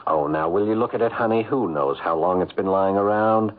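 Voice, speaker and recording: An American actor playing an irritable, evasive husband in a 1970s radio mystery drama, speaking in a clipped, testy way. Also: male voice, lowish voice, fairly quick, close to an everyday voice. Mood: exasperated. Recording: muffled phone-like radio recording with hiss.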